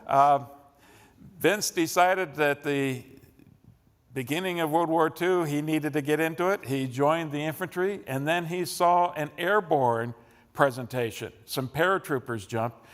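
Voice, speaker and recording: A man's voice: fairly high pitch, a little slow. A man with an American accent hosting an interview, introducing his guest in semi-formal, unscripted talk. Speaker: interview host. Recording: echoey hall with long reverb.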